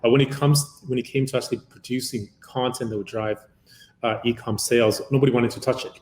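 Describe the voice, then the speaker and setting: A man's voice: mid-range voice, fairly even intonation, quick pace, a little mellow, reverberant. A man in his fifties from Uganda, a company founder giving a long, rambling interview answer full of "uh" fillers. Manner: long-winded, many "uh" fillers.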